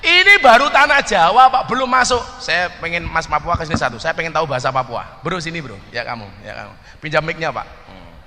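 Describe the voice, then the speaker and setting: A man's voice: on the high side, lively intonation, fast, hardly any pauses, pushed and bright, long reverb tail, slight background noise. A man giving a humorous religious talk, teasing audience members and slipping into Javanese. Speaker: preacher.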